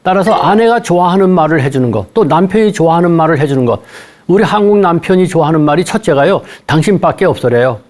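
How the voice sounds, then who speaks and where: A man's voice: a little high, lively intonation, fast talker, darkish tone. An older man giving a lecture on a talk show, counting off numbered points and acting out quoted lines between couples.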